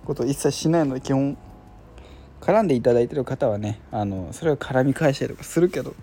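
Rambling man with a mellow voice. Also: medium pitch, fairly quick, a little hiss or hum. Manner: rambling, self-deprecating, many fillers. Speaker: podcast host. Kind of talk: casual solo chat.

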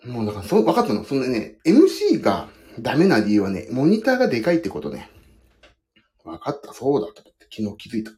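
In an echoey bathroom, a pianist who also podcasts soaks his feet in a foot bath and rambles casually about his work, telling stories with self-mocking asides. His mid-range voice swoops wildly in pitch, moving at a quick pace with a dark tone.

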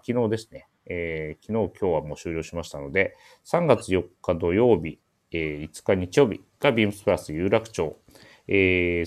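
A man's voice: low-pitched, a little mellow. A man hosting a casual talk show, chatting and announcing events with a dry, teasing manner. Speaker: radio show host.

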